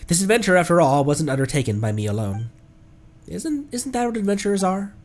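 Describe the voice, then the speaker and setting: Man reading as an earnest, animated fantasy adventurer. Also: high voice, fairly quick, voice pushed up. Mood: heartfelt. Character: earnest adventurer defying fate, from a fantasy game.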